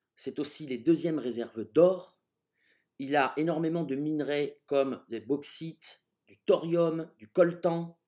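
A dark, mellow voice in a Marseille accent, very slow, with big swings in loudness and ordinary pitch variation against a quiet background. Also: man, fairly high pitch for a man. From France, Marseille. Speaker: journalist. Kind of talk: interview. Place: home room. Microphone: webcam.

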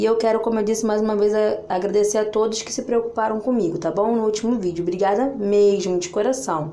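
Pitched fairly high, a woman speaks at a fairly quick pace. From Brazil. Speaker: cake decorator vlogger. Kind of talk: tutorial. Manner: chatty, informal. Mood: cheerful, grateful. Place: kitchen. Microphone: recording on husband's phone; phone near.

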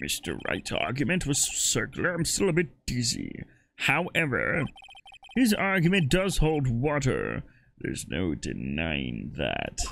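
This man's voice sits fairly high in pitch. He talks at a fairly slow pace. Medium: game stream. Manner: hesitant, ponderous, easily swayed.

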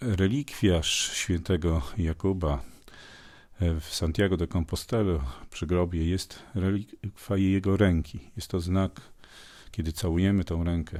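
A man's very deep, low voice at a very slow pace. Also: ordinary pitch variation, very clean recording, silent background. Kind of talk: sermon.

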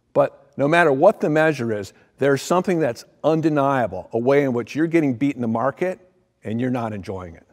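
A man at a fairly quick pace, with big swings in loudness, against a quiet background. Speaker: keynote speaker. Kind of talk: keynote speech. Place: stage.

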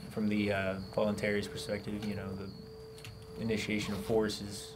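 Noticeable background noise is present. The pitch varies in an ordinary way. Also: man. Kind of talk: casual group discussion. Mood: reflective, thoughtful. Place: garden. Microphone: camera far.

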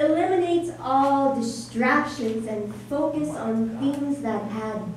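Strong room echo and light background noise surround the very slow speech. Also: woman. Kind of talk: spoken word performance. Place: stage. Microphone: pa.

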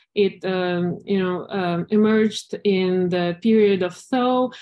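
A woman speaks at a very slow pace. Her intonation is fairly even. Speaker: art historian. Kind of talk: panel discussion, academic overview. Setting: video call. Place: home room. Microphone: video call.

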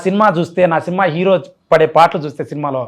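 A man speaks in an animated tone. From Rayalaseema, Kadapa district, Andhra Pradesh. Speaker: YouTuber and film actor. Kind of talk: interview.

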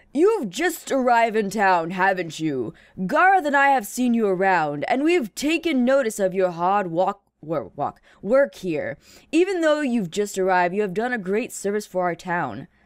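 In a put-on character voice, a woman speaks at medium pitch with very wide pitch swings at a moderate pace, on a very clean recording with a silent background. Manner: formal, authoritative.

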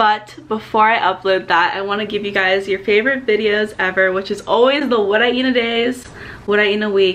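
The woman talks at a fairly quick pace with fairly even intonation. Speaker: lifestyle vlogger. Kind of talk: casual vlog chat. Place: home room.

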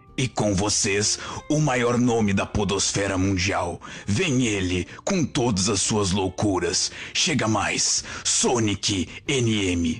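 Over clear background music, a man puts on a sinister, theatrical character voice, speaking very slowly at a fairly low pitch with ordinary pitch variation.

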